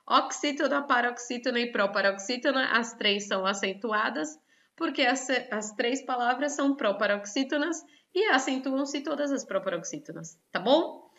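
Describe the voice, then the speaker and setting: A Brazilian woman teacher leads an online class, lively and always checking in with her students. Her voice is bright and pitched a touch high. The audio has the slightly dull, muffled quality of a video call. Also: moderate pace. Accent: Brazilian Portuguese. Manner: lively, questions the students often.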